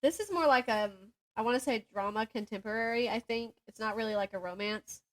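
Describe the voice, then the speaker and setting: A young woman with a fairly high voice talks casually about books as a podcast co-host. She giggles easily, pokes fun at herself and slips between chatting and reading aloud. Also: a little fast. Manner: giggly, self-deprecating. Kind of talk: casual book chat with synopses read aloud.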